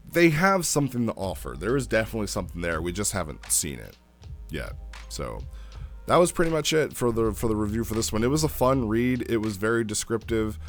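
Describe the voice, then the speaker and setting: A man giving casual, unscripted commentary as a review host, talking in a rambling, animated way. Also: on the low side. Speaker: host reviewing a text role-play log.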